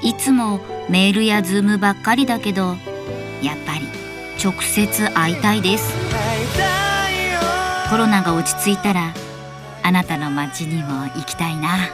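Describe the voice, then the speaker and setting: A woman's voice: lowish voice, moderate pace, pauses often. Woman radio host over music. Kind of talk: live radio DJ talk, reading listener mail.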